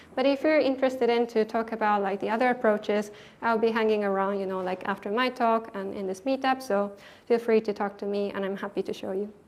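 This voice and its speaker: In a very clean recording with a silent background, a woman with a Japanese accent talks at a very fast pace and fairly high pitch with fairly even intonation. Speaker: developer advocate. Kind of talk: conference talk. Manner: frequent fillers.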